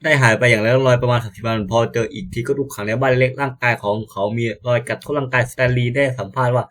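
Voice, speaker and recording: Excitable young man streaming a game. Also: medium pitch, very fast. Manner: excitable, yelps and swears at scares; reads game lines aloud, stammering. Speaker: gameplay streamer. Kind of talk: casual let's-play commentary.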